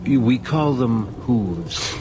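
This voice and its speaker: A man's voice: medium pitch, expressive, very slow. A coaxing, mysterious man, swooping intonation. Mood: dismissive. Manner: coaxing, teasing, offhand. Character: mysterious country man, casual, coaxing, quietly eerie. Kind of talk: radio horror drama acting. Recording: very noisy old radio drama recording.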